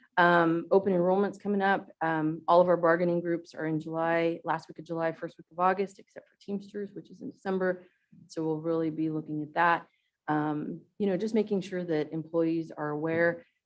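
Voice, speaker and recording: An ordinary speaking voice at a fairly quick pace, fairly even intonation and big swings in loudness. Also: woman, fairly low pitch for a woman. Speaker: county HR or benefits staff presenter. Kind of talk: report to board meeting. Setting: county board meeting.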